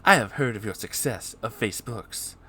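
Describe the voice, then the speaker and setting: A man's voice: on the low side, normal speed, pushed and bright. A man voicing a sinister male pop-star villain in a sly, tempting tone.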